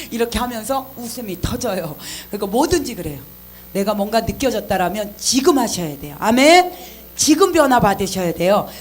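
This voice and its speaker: An animated woman at a fairly quick pace, with very wide pitch swings, big swings in loudness and audible room echo. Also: fairly high pitch for a woman. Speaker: pastor. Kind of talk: sermon.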